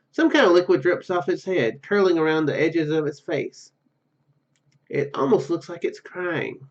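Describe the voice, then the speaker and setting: A man's voice: a little high, a little mellow. Dull-sounding male gamer reading aloud. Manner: stumbles and self-corrects while reading. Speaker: gaming video host. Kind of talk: reading game narration aloud with casual commentary.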